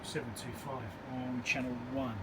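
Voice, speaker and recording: Here a man narrates a hands-on electronics repair, his mid-range voice halting and informal as he reasons through each step. He's at an indoor workbench, with steady background hum and room noise.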